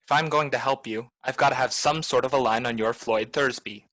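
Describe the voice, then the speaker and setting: A man's voice: mid-range voice, a little fast, fairly bright tone, no room sound, natural voice. A man playing a wry, cynical private detective in a 1940s-style radio noir, talking in clipped slang. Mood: cool, sardonic.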